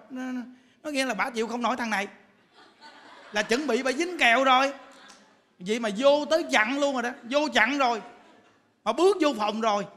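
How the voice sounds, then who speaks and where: Monk preaching; very high, bright voice; joking storyteller; long hall reverb. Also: male voice. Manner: humorous storytelling, laughs while talking. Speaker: Buddhist monk giving a Dharma talk. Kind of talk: sermon. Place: temple lecture hall.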